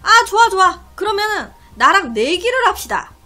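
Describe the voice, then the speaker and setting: A woman's voice: very high-pitched, very animated, moderate pace, sharp tone, pitched above the performer's own voice, heavily acted. A woman voicing a brusque man who escorts the dead, scolding and impatient. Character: brusque male grim-reaper-like escort of the dead.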